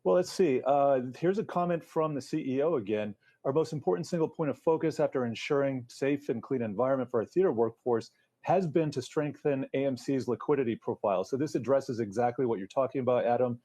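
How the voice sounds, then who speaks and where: A man with a relaxed, mellow voice of medium pitch presents financial news. He reads out figures in a measured manner and pauses to explain what they mean. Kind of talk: financial news reporting, partly reading figures.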